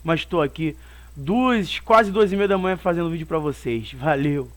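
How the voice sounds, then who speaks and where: A hoarse man with a Brazilian Portuguese accent, hosting his own football channel and rambling opinionated commentary on a match, circling back on his points. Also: fairly high pitch, expressive, normal speed. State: hoarse from a cold.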